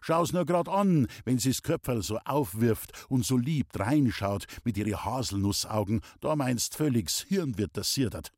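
Man doing a gruff old Bavarian. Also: mid-range voice, lively intonation, a little slow, few pauses, darkish tone, no echo, studio quality. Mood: blunt. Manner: grumbling, blunt.

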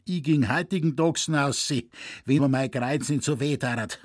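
A man's voice: mid-range voice, moderate pace, dry recording, clean studio sound, voice pushed up, lightly acted. Man doing a lamenting old Bavarian hunter. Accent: Bavarian dialect. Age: older. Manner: complaining, then effusive and excited.

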